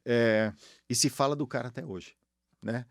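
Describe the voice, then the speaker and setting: A middle-aged Argentine man with a Brazilian Portuguese accent chats as an interview guest. He rambles in slang, often stopping and restarting his sentences. His voice sits at an ordinary pitch, recorded close and dry with no room sound. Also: moderate pace, vocal fry, no room sound. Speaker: guest, former tennis player. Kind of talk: casual interview chat.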